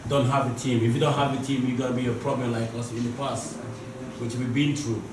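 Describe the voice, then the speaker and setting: A man, a boxer, speaking earnestly at a press conference in halting, non-native phrasing. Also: mid-range voice, level tone. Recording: echoey room, distant mic, noisy.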